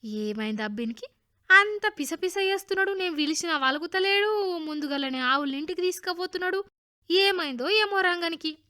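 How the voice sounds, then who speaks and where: A woman's voice: very high voice, lively intonation, normal speed, bright, forceful tone, pitched above the performer's own voice, heavily acted. A woman voicing an honest, caring village boy with a Telangana accent who speaks earnestly in a children's radio story. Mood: puzzled. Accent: Telangana Telugu. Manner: earnest, pleading.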